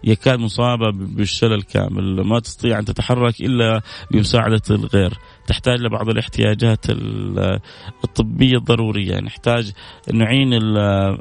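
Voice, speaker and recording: A creaky, lowish male voice fronts a radio charity call-in, recorded on a studio microphone. He pleads earnestly with listeners and blesses them again and again.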